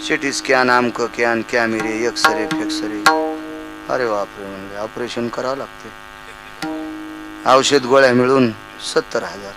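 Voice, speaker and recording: A man's voice: mid-range voice, measured pace, music in the background, low-quality recording. A man telling humorous stories in a kirtan sermon, acting out the voices of the people in them. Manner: animated, acts out voices in anecdotes. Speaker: kirtan preacher. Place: devotional gathering, live audience.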